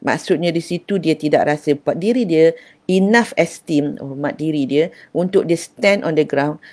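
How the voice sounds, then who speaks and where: Low-voiced older woman. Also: moderate pace, darkish tone. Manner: affectionate, addresses listeners as dear. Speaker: parenting speaker. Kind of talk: casual parenting talk.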